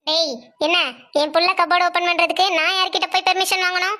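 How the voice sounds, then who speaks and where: A woman's voice: extremely high pitch, little pitch movement, fast, sharp tone. A woman voicing a middle-aged mother in a cartoon family story, scolding and fretful.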